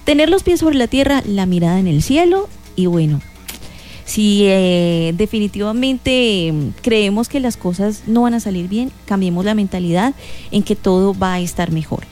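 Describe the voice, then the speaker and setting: A woman's voice: mid-range voice, animated, normal speed, faint music behind. A woman co-hosting a morning radio show, speaking in an encouraging way about blessings and good wishes. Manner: warm, uplifting, speaks of blessings. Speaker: radio co-host. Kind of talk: casual morning radio chat.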